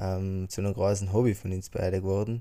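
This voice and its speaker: A man with a South Tyrolean accent speaks in a fairly low pitch with a dark, mellow tone. His intonation is monotone and flat, in a very clean recording with a silent background. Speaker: podcast co-host. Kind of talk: casual chat. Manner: halting, many fillers.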